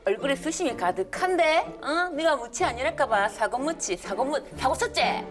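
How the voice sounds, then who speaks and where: A high, swooping voice belongs to a hot-tempered Gyeongsang wife, as a woman acts her out. She scolds in a shrill, overdone comic style, with music playing behind. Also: expressive, normal speed. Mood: scolding. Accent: Gyeongsang dialect. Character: loud, fiery middle-aged wife scolding her husband. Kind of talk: comic sketch.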